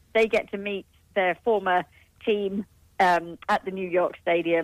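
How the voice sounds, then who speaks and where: In a dry, close recording with no echo, a woman speaks in a monotone, flat way. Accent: English. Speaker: football fan and commentator. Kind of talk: casual chat.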